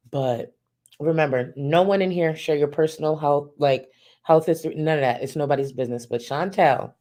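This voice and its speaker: Deep-voiced, blunt woman streamer. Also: a little mellow. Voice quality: naturally deep voice. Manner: blunt, profane, mocking. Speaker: streamer, commentary host. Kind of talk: live reaction commentary.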